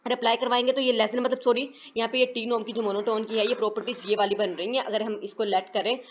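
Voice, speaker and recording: A woman's voice: a little high, steady tone, dull audio. Woman tutor talking through math proofs. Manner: halting, many fillers and self-corrections, mixes English math terms. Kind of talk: recorded lecture explaining proofs.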